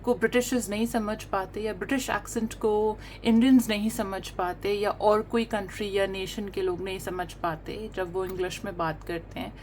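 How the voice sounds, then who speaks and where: A middle-aged woman whose mother tongue is Hindi-Urdu, explaining accent and pronunciation in an earnest way, pausing often and mixing in English phrases. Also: mid-range voice, fairly even intonation, a little mellow, slight background noise. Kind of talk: talking-head monologue on language teaching.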